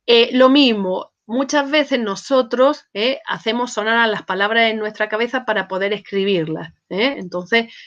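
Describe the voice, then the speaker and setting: A woman's voice: a little high, moderate pace, hardly any pauses, a bit bright. A woman giving a university lecture who keeps checking in with her students with "¿eh?" and "¿sí?" and often restarts her sentences. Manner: frequent checking tags "¿eh?" and "¿sí?", many restarts. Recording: slightly muffled lecture audio.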